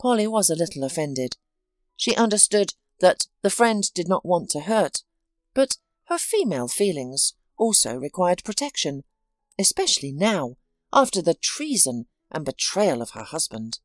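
A woman giving a scripted storybook narration with a steady read-aloud delivery. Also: on the low side, normal speed, no echo, clean studio sound.

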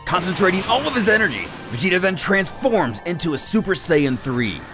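A man narrates a dramatic story recap in a fairly high voice. His delivery is emphatic and theatrical, with very lively swings in pitch, over background music. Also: fairly quick. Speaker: narrator of a fan manga recap.

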